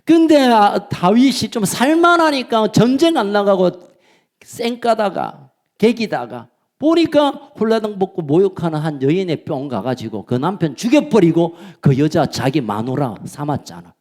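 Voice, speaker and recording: A male pastor preaching a sermon in a church, swinging between loud, fervent lines and soft asides. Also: high-pitched, sing-song, moderate pace. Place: church sanctuary.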